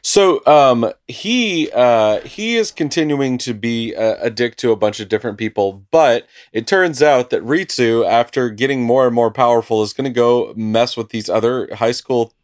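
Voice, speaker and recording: A man's voice: mid-range voice, expressive, moderate pace, hardly any pauses. A man co-hosting a podcast, retelling an anime episode as a playful storyteller who laughs often. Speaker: podcast co-host. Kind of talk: casual anime recap chat.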